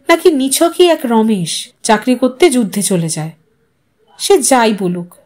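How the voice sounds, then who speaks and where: A woman storyteller reading literary fiction aloud as expressive, scripted audiostory narration. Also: sits high.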